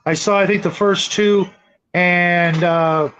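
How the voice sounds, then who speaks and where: A man's voice: high-pitched, fairly even intonation, slow pace, a bit bright, slight background noise. A middle-aged man hosting a casual live-stream chat, talking in a rambling, hesitant way. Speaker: show host. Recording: dull, lo-fi audio.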